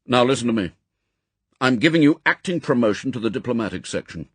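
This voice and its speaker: Audiobook role: elderly male spymaster, done by a male reader, gruff, brusque, impatient, with a husky edge. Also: medium pitch, lively intonation, a little fast, no echo, pitched above the performer's own voice. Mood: brisk, commanding. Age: older. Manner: brusque, authoritative, clipped commands. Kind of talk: audiobook character acting.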